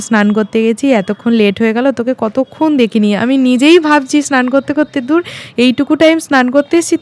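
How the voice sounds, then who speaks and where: High-voiced woman vlogger. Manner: talks sweetly to a small child, coaxing and playful. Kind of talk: casual family vlog chat.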